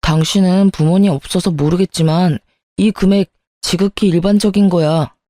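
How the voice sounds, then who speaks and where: A woman voicing a petty, calculating young husband in a read-aloud story, sulky and accusing, quick to shout. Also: fairly low pitch, fairly even intonation, no room sound, studio quality, lightly acted. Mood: demanding.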